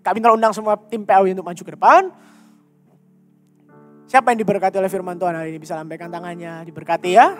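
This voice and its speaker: A man preaching a sermon to a youth congregation, animated and slipping English phrases into his talk. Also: sits high. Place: church hall. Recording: reverberant hall with music.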